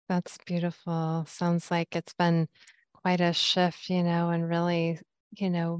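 A woman speaks slowly and evenly, her voice smooth and resonant and fairly low. She reflects calmly on what she has heard and shares her own experience in a measured way. The sound is dry and close. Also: no echo. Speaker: podcast co-host. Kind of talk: casual chat.

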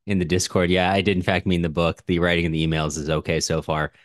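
Fast-talking low-voiced man co-hosting podcast. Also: little pitch movement, dry recording, clean studio sound. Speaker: podcast co-host. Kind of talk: casual literary discussion.

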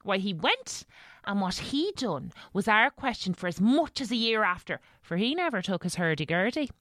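Gossipy servant housekeeper, rural English accent, kindly, animated pitch, dry close sound. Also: female voice, normal speed, no room sound. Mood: wistful, gossipy. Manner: chatty, colloquial servant's storytelling. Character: kindly, fussing, gossipy old-fashioned housekeeper woman. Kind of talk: audio drama acting.

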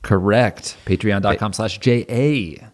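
A man's voice: lowish voice, slow. A man co-hosting a podcast, trading casual comedic banter. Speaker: podcast co-host.

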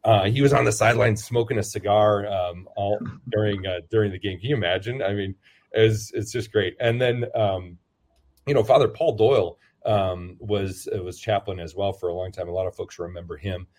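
Low-voiced priest chatting casually. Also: male voice, moderate pace, a little mellow. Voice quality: lower voice. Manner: rambling, self-deprecating, many fillers and restarts. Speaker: priest and football chaplain. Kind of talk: casual interview answers.

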